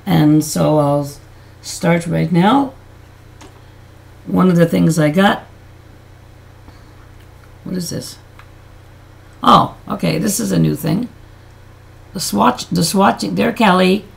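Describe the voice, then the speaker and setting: Gravelly, deep-voiced woman vlogger. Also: slow, long pauses. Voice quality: deep throaty voice. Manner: rambling, self-deprecating, affectionate. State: voice changed and can't reach high notes. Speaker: beauty vlogger. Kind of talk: casual chatty vlog.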